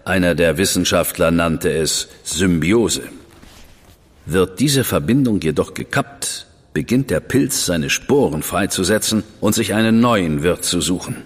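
An actor playing a composed, sardonic Victorian spymaster who briefs an agent in a measured way. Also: male voice, low-pitched, husky, big-room sound. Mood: briefing. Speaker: senior crown official briefing an agent. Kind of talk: studio radio drama acting.

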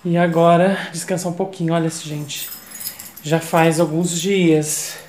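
A man with a notably high voice chats to his followers as he walks. He talks casually and keeps calling out to his viewers. It is recorded on a handheld phone outdoors, with traffic and street ambience loud behind him. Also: flat delivery, unhurried. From Brazil. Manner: chatty, keeps addressing viewers as "gente". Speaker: vlogger. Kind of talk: casual walking vlog. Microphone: handheld phone camera while walking.

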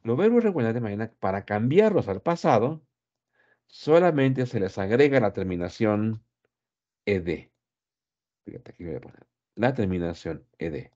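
Male English teacher, low mellow voice, slow patient drills, slightly muffled recording. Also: very animated. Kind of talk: English grammar lesson explained in Spanish.

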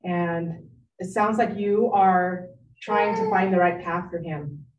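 A middle-aged woman giving a live workshop talk to parents, animated and lively, acting out friends she quotes. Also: on the low side, takes it slowly, muffled recording, a little hiss or hum. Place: meeting room. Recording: echoey room, distant mic.

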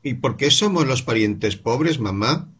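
A man voicing an eager, questioning young boy in an audiobook reading, pitching high with rising questions. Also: animated, a little slow, fairly bright tone, breathy edge. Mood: curious. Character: curious insistent young boy.

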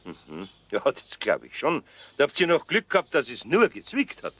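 A man's voice: mid-range voice, huge pitch swings, moderate pace, sharp tone, full character voice. A man playing a grumbling but kindly older master craftsman with a Bavarian accent, in a children's radio play. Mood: kindly, amused. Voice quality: gravelly, husky.

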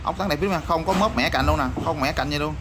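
Man, rapid repetitive hawking, slightly high voice, noisy backdrop with passing vehicles. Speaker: used motorbike parts seller. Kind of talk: casual product showcase sales patter. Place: parts shop or workshop.

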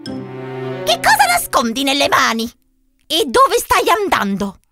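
Spoiled cartoon stepsister, shrill, spiteful, drawn-out, music behind. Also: female voice, huge pitch swings, exaggerated voice. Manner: shrill, exaggerated.

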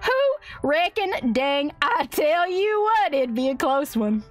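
A woman's voice: high-pitched, sing-song, slow, soft background music. A woman streaming a game in a goofy, put-on country drawl, exclaiming and giggling as she plays. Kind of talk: in-character let's play commentary.

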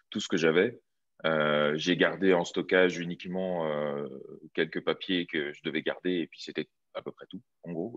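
A man's voice: deep voice, no echo, highs cut off. A man in his thirties from France, introducing himself casually with many fillers and restarts. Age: 30s. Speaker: guest, software developer.

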